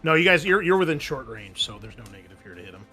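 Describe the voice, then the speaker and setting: A man's voice: medium pitch, sing-song, fast, bright, forceful tone, faint music behind. A man running an online tabletop roleplaying game, explaining things in a casual way. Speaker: game master.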